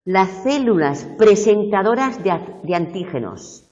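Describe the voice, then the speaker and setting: A woman university tutor going over exam questions slowly, checking whether her students follow. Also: mid-range voice, animated, a little mellow, recorded from a distance, highs cut off, faint music behind.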